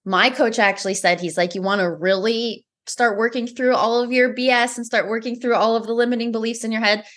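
A woman whose first language is Romanian, a mindset coach telling her story in a podcast interview, earnest and animated. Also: a little high, a little fast. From United States. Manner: earnest, animated storytelling with acted-out inner dialogue.

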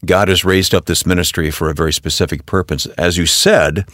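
Male radio host, deep, dry studio sound, measured delivery. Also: fairly even intonation, a bit bright, dry recording. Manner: measured, scripted-sounding questions. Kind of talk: radio interview.

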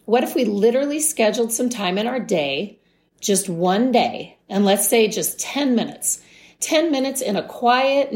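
A woman, a life wellness coach, hosting a podcast in a calm, gently encouraging, measured way. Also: mid-range voice. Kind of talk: scripted podcast monologue.

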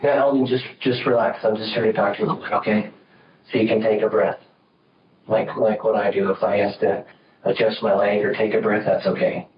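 A man's voice: lowish voice, flat delivery, brisk. Guy cop coaxing a kid, old interrogation tape, far off mic, hissy and dull. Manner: gentle, coaxing, casual. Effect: old interrogation tape footage. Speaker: police officer. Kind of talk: interrogation talk. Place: police interrogation room. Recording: roomy, distant, dull, noisy interrogation tape.

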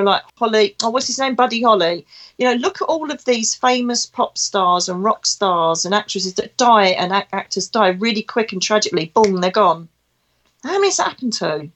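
Female podcast host, Essex accent, mid-pitched voice, chatty and emphatic, talking directly to listeners in a spiritual monologue. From Essex, England. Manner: chatty and emphatic, with rhetorical questions. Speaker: podcast host and psychic medium.

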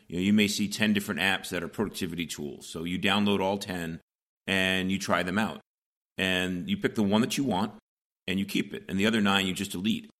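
A middle-aged man hosting a solo podcast, hoarse and raspy, explaining things plainly, step by step, from a small home recording booth. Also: sits low, a bit bright. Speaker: podcast host.

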